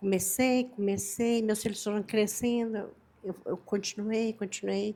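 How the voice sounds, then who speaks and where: Very slowly, a woman talks in a dark, mellow tone. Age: 60s. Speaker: audience member. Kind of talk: testimony.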